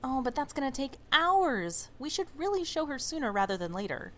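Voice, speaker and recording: A woman's voice: high-pitched, big pitch swings, brisk, slight background noise. A woman playing an outspoken, impatient young monster investigator, blunt and emphatic, in an audio drama. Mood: indignant. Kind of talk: naturalistic audio drama dialogue.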